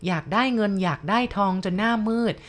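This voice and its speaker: A woman's voice: mid-range voice, steady tone, fairly quick. A woman narrating listener-sent ghost stories, polite and talking straight to her audience. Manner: polite, addresses listeners directly.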